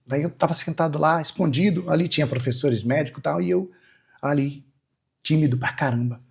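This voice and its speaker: A man's voice: on the high side, fairly quick, creaky, darkish tone, slightly rough. A man, a hypnotherapist guest, telling long rambling anecdotes in a casual interview, tagging his sentences with "né?". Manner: rambling anecdotal, frequent "né?" tags.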